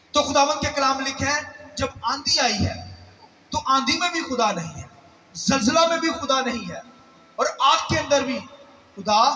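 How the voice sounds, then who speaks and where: A raised, projected voice against noticeable background noise. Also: man, extremely high pitch for a man, ordinary pitch variation. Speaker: preacher. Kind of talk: sermon delivered to a congregation. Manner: fervent, preaching with rhetorical questions.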